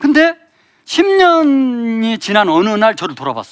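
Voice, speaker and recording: A man's extremely high voice with very wide pitch swings. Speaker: humanities lecturer and author. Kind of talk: lecture; Q&A answers. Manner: animated.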